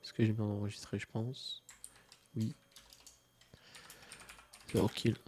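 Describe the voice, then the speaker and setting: A man's voice: on the low side, takes it slowly, a little hiss or hum. A man streaming a game live, chatting casually while he plays, stuffy from a cold. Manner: relaxed, mumbling asides, frequent fillers. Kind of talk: casual live gameplay chat.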